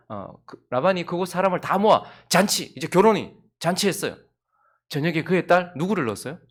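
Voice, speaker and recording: A male pastor preaching an early-morning sermon. He swings between loud emphasis and hushed asides. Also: fairly high pitch.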